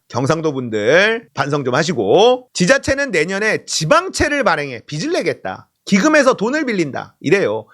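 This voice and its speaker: A man giving a heated political commentary monologue, scolding and sarcastic, swinging from loud exhortation to muttered asides. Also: high-pitched.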